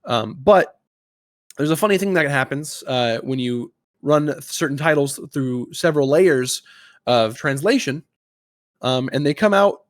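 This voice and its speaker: A man's voice: medium pitch, animated, a little slow, dry recording, studio quality. A man hosting a casual gaming podcast, explaining a quiz in an informal, conversational way. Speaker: podcast host.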